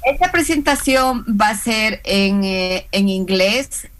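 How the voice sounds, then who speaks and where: Woman with a Hispanic accent, credit class instructor; halting delivery full of fillers, mid pitch. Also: animated, fairly bright tone. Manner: hesitant, many fillers and restarts. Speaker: small business credit instructor. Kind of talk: radio and live stream interview guest.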